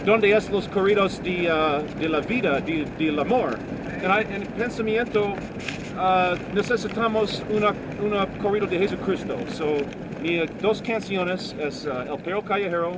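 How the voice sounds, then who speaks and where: A man talks in slow, halting learner's Spanish full of fillers and restarts, his voice sitting somewhat high. He rides in a taxi with street and engine noise clearly audible underneath. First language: English. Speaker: musician and songwriter. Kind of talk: casual chat in a taxi. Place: inside a moving taxi. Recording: noisy car ride recording.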